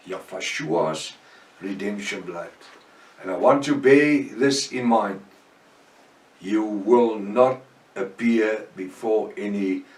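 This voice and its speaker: A man with an Afrikaans accent, preaching a fervent Bible-study sermon with prayers. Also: lowish voice. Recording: echoey room, voice from far off.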